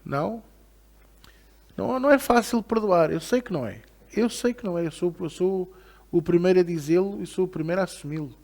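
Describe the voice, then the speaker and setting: A man preaching a Bible study in European Portuguese, his voice sitting a little high. He talks to the congregation with frequent rhetorical questions and moves into a reverent prayer. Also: fairly quick, darkish tone. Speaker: pastor.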